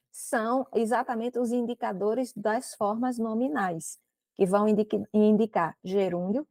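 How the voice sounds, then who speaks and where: A woman's voice: medium pitch, darkish tone, no echo. A woman teacher with a Brazilian Portuguese accent, giving a recorded grammar lesson and explaining step by step, often checking with "né?" and "ok?".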